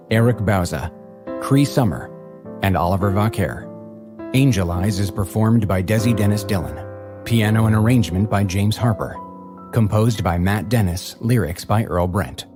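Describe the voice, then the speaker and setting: An actor playing an earnest investigative podcast host, delivering scripted narration. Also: male voice, on the low side, close to an everyday voice. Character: earnest, driven male investigative true-crime podcast host. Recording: music under the voice.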